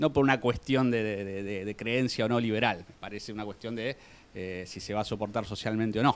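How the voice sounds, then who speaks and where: In an Argentine accent, a man speaks at a fairly low pitch. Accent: Argentine Spanish (Rioplatense). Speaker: panelist. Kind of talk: panel discussion. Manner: halting, many fillers.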